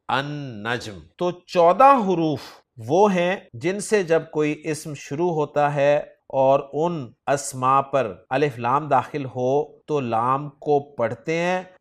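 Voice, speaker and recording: Slow, methodical male lecturer. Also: on the high side. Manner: slow, methodical, repeats each rule. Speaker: Arabic grammar teacher. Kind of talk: recorded lecture.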